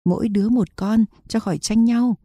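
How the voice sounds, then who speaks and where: A woman's voice: on the high side, moderate pace, dark tone, dry recording, studio quality, pitched above the performer's own voice, close to an everyday voice. A woman voicing a young male soldier back from the war, earnest and pleading, in an audiobook reading. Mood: cheerful.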